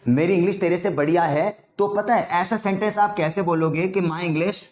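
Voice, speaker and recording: A man teaching English in a chatty way, repeating example sentences slowly so learners can drill them. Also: high voice, darkish tone, echoey room. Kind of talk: spoken English lesson in Hindi.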